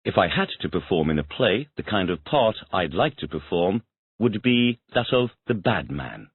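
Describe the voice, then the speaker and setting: Deep husky man answering drill questions. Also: big pitch swings, moderate pace, dry recording. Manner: repeats each question back in complete sentences. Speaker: English student. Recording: tinny phone-like dry audio.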